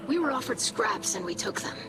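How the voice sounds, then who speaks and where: A woman's voice: a little high, lively intonation, fairly quick, music in the background, close to an everyday voice, low-quality recording. A woman voicing an earnest, curious young alien scribe in a video game, speaking formally and precisely. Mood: defiant. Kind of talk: video game cutscene acting.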